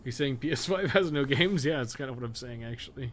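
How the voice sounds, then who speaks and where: A man with a mid-pitched voice talks casually over live gameplay. He is candid and informal, chatting to viewers as he plays. Faint noise and ambience sit behind his voice. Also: animated, fast talker. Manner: informal, candid, lightly swearing, conversational. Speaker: game streamer and guide maker.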